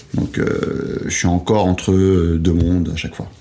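Through noticeable background noise, a man speaks in a very deep, low pitch with monotone, flat intonation. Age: 30s. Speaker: documentary filmmaker. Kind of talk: interview. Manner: casual slangy.

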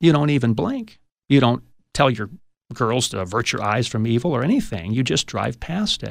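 A man has an ordinary speaking voice at medium pitch with lively intonation and a moderate pace. The recording is very clean, with a silent background. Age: 50s. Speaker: pastor and author. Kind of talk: interview.

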